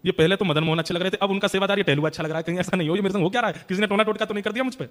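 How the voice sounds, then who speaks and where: A man's voice: high voice, very fast, a bit bright. A man voicing a stubborn, lovesick Muslim devotee who talks in an agitated, pleading way. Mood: worried.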